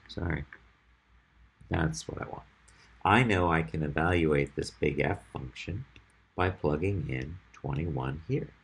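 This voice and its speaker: A man's voice: a bass voice, gravelly, breathy edge. A man teaching a math class, whose first language was Albanian. He explains each step patiently and keeps checking in with his students. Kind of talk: classroom lecture on functions.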